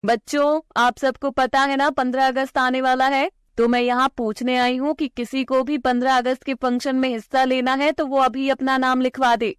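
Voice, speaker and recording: A woman as a gentle, kind schoolteacher. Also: sits high, flat delivery, normal speed, hardly any pauses, clear, resonant tone, no room sound, clean studio sound, voice pushed up, lightly acted. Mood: encouraging. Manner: gentle, reassuring. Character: kind, patient female schoolteacher.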